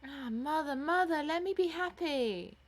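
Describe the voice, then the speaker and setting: A woman's voice: high voice, expressive, normal speed, a bit bright, pitched above the performer's own voice. A woman voicing an ardent, dreamy young actress in love in an audiobook, with gushing exclamations. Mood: pleading. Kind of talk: audiobook character voice.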